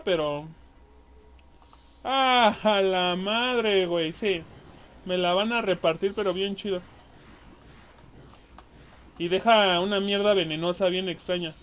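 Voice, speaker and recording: Excitable Mexican gamer man. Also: sits high, slight background noise. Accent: Mexican Spanish. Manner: excitable, swears a lot, yells at enemies. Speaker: gaming youtuber. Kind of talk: gameplay commentary.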